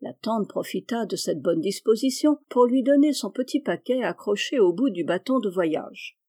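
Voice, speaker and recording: A woman reading a classic children's novel aloud in calm, measured storytelling. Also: mid-range voice. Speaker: audiobook reader. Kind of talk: scripted narration of a classic novel.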